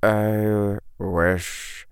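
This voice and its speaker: A man voicing a stern, cold middle-aged male teacher in a storybook reading, speaking in a measured, restrained way. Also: on the low side, little pitch movement, clear, resonant tone, no echo, clean studio sound. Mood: quiet.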